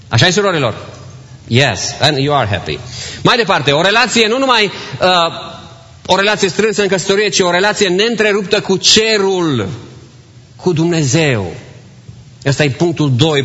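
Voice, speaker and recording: A man's voice: on the high side, fairly bright tone, long reverb tail. A man preaching a sermon to his congregation, asking rhetorical questions and dropping English phrases into his talk. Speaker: pastor. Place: church.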